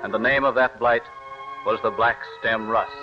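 A man's voice: mid-range voice, steady tone, moderate pace, over loud music. A man announcing and narrating a vintage radio drama in a formal, declamatory manner. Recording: muffled vintage radio broadcast with orchestra.

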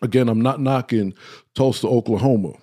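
A man hosts an informal talk and speaks directly to his viewers. His voice is dark and mellow, sitting in an ordinary middle pitch. He keeps checking in with the audience as he goes, and he sometimes trips over his words when he gets worked up. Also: fairly quick. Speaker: host. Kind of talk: casual talk, live-stream lecture.

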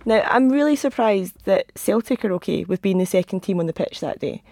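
A woman speaks with a husky croak and a lot of gravel in her tone. She argues her points as a football pundit, recorded close and dry in a studio. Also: medium pitch, lively intonation, brisk, darkish tone, no room sound. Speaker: podcast guest, football pundit. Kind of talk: lively opinionated football discussion. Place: podcast studio.

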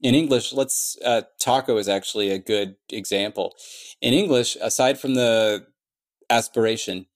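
A man's voice: medium pitch, moderate pace. A man in an interview explaining how he built a language, thinking aloud with many fillers and restarts. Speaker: conlang creator answering questions.

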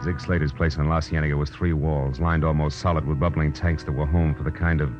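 An actor playing a tough, wry private detective in a 1940s radio drama, with a terse, wisecracking delivery. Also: male voice, a bass voice, brisk, loud music behind the voice. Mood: wry, brisk. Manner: terse, wisecracking, deadpan narration. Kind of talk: 1940s radio acting, first-person narration. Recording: muffled old radio recording.

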